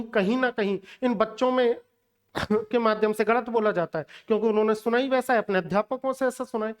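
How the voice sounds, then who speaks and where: Man, language teacher, exam-prep lesson, emphatic, lecturing, repeats words to drill them. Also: extremely high pitch. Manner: lecturing, addresses viewers directly. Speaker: Hindi teacher.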